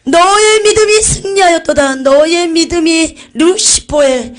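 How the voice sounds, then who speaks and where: A woman voicing a male heavenly lord on his throne who speaks in a loud, slow, solemn and old-fashioned way. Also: very high voice, pitched above the performer's own voice. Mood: exultant.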